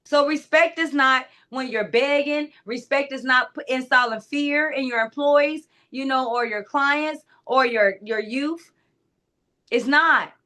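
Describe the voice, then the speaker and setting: In an unhurried motivational talk, a clarity coach speaks straight to her audience with casual emphasis and many side remarks. Her voice runs naturally high and loud.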